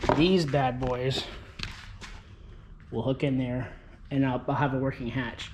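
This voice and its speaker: Mumbling, a man talks at a fairly quick pace. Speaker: car hobbyist YouTuber. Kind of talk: casual vlog talk. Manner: halting with fillers.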